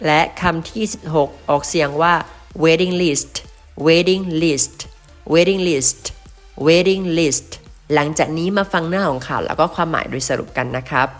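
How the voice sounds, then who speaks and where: A male English teacher who says each vocabulary word slowly, several times over, with careful stress, then reads a passage aloud. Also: fairly high pitch, a bit bright. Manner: slow, deliberate repetition of each word, emphatic stress. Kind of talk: vocabulary pronunciation drill and reading aloud.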